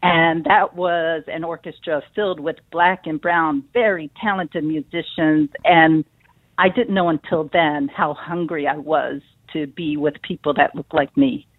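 A woman calling in to a radio show, speaking thoughtfully with pauses and fillers. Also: low voice, steady tone, dry recording. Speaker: caller, clarinetist. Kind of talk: call-in talk over phone. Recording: dry tinny phone line.

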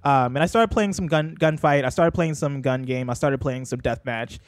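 A man telling a rambling anecdote in a casual group discussion, with many pauses and restarts. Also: medium pitch, no echo. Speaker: podcast panelist.

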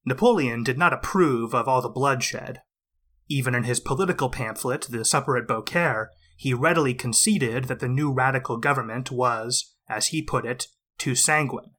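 Bright-voiced male history podcaster, recovering from a cold. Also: medium pitch. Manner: measured, explanatory storytelling. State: getting over a cold. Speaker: podcast host. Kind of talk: scripted history narration.

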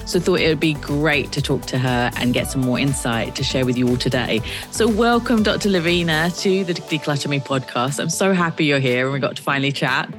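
A woman hosting a podcast interview in a relaxed, friendly way, chiming in with quick affirmations. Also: low voice, music in the background. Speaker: podcast host.

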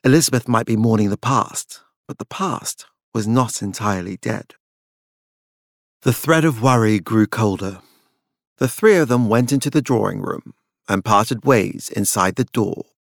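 A man's voice: on the low side, unhurried, creaky, dry recording, clean studio sound. A man reading literary fiction aloud as a scripted audiobook narration.

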